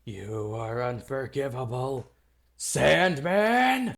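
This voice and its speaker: A man's voice: mid-range voice, big pitch swings, very slow, vocal fry, a bit bright, heavily acted. A man voicing an angry, accusatory tribal horseman in a dramatic manga dub. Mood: urgent, furious. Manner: accusatory, exclaiming. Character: angry tribal horseman pursuing an outcast, indignant and astonished.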